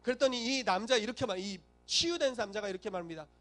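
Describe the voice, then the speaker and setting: A man's voice: high voice, fast, sharp tone, soft background music. A male pastor preaching a sermon, telling the story animatedly and acting out the voices he quotes.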